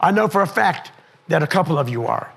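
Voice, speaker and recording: Speaking at a fairly quick pace, a man with a fairly high pitch shows vocal fry. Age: 60s. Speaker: keynote speaker, business consultant. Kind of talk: conference talk. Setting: stage with audience. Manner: animated.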